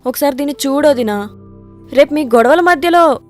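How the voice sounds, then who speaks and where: A woman's voice: high-pitched, moderate pace, darkish tone, soft background music, natural voice. Woman playing a blunt college-girl sister. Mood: insistent. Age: young adult. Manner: outspoken, blunt, mixes in English words. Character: outspoken young college-going sister. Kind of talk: short film acting.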